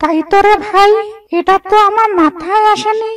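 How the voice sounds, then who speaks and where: A woman's voice: very high voice, moderate pace, distant mic, heavy background noise. A woman voicing a childish, dim-witted young male bird groom in a cartoon, whiny and exaggerated. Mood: clueless.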